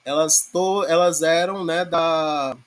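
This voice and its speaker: Slow and steady, this man's slightly high voice carries a Brazilian Portuguese accent as he teaches Greek grammar online. He breaks each point down patiently and keeps asking "né?" to make sure his students are following.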